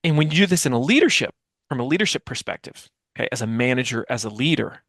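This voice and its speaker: A man's voice: mid-range voice, lively intonation, fast, fairly bright tone, no room sound, studio quality. A man in his forties explaining ideas as an interview guest, emphatic and full of rhetorical questions, on a headset mic. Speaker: guest, communication expert and author. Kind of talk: explanatory interview talk with acted-out example dialogue. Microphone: headset mic on a video call.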